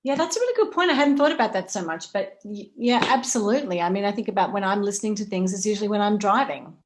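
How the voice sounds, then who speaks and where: A woman's voice: medium pitch, quick pace, slight background noise. A woman moderating a panel discussion in a conversational way, thinking aloud in qualified, exploratory phrases.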